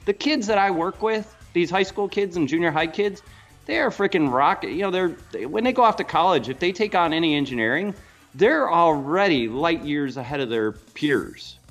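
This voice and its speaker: A man in his forties talks as a guest on a chat show, emphatic and excited, with lots of fillers. His voice sits fairly high. Faint music plays behind him. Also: moderate pace. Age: 40s. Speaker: guest, youth drone instructor. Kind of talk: casual chat.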